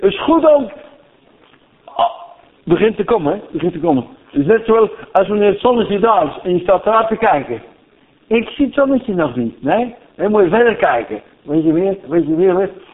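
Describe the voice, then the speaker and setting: Older preacher, high voice, tinny sound. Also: male voice. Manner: questions the listeners, repeats phrases, swells up on key words. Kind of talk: sermon. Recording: tinny phone-like recording.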